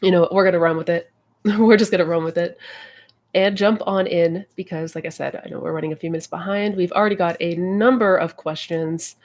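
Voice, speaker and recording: A woman's voice: lowish voice, steady tone, fairly quick, darkish tone. A woman hosting a live question-and-answer stream as a coach, chatting casually, a little stuffy and nasal from a cold. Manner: friendly, chatty, many fillers. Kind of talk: casual livestream chat.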